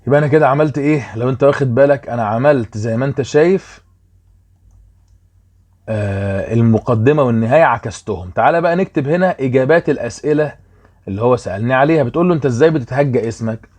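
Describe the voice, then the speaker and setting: Speaking fast in a medium-pitched, slightly mellow voice, a young German teacher with an Egyptian Arabic accent walks through a worksheet. His style is chatty, and he frequently makes sure students keep up.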